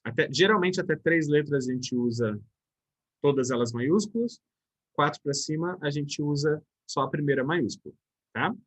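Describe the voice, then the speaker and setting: Chatty teacher, husky voice. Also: male voice, a little high, animated, normal speed, fairly bright tone. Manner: chatty, addresses students as "galera", asks and answers own questions. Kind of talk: recorded grammar lesson.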